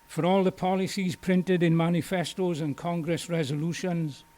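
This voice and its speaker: Earnest man giving a measured lecture. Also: on the high side, flat delivery, dark tone. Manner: measured, earnest, deliberate delivery. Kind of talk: reading a prepared memorial lecture.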